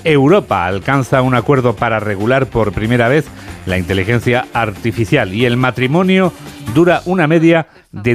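A male radio news host, reading the press review in easy, bantering chat. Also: medium pitch. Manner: relaxed, bantering.

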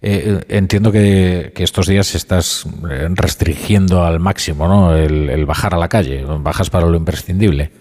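Very deep male voice, husky, radio host, measured, hesitant delivery. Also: a little mellow. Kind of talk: live radio discussion.

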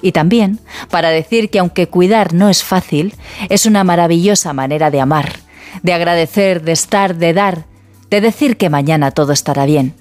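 A woman reading a heartfelt reflective piece for a radio show. Her voice is low, and she lays out her points in a measured, list-like way over faint music. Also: darkish tone. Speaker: radio contributor. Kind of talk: read reflective commentary.

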